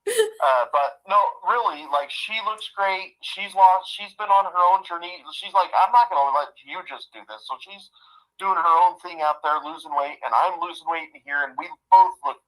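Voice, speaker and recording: Heartfelt bright-voiced man of fifty. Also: high voice, low-quality recording. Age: 50s. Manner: heartfelt, halting, repeats himself. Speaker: guest. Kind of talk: emotional personal storytelling.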